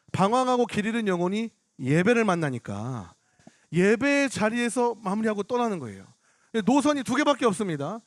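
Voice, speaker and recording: Lively high-voiced young man preaching. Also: no echo, studio quality. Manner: animated storytelling, acts out other people's lines. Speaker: pastor. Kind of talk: storytelling sermon at a prayer rally. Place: outdoor public square.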